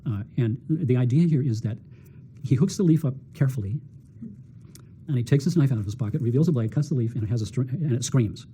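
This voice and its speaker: A man's voice: medium pitch, expressive, brisk, warm tone, breathy edge. A middle-aged man, a doctor being interviewed, telling stories with lots of energy, repeating words and acting out what people said. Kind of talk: animated storytelling talk.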